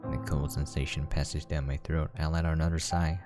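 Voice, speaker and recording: A man's voice: extremely low pitch, level tone, fairly quick, over music. A man reading a visual novel aloud as a gameplay host, dropping in casual, conversational asides.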